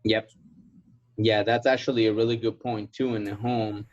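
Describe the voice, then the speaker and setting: A man with a fairly low voice and native Spanish, originally from Ecuador. He coaches informally as a sales trainer, driving points home by repeating them. The audio is somewhat dull and muffled. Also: little pitch movement, moderate pace. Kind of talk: informal coaching in a question and answer session.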